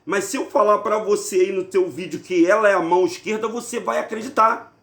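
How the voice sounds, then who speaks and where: A man's voice: high-pitched, fairly quick, a bit bright, roomy sound. A man from Rio de talking casually to viewers, chatty and full of rhetorical questions. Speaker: video host. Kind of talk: casual monologue to camera.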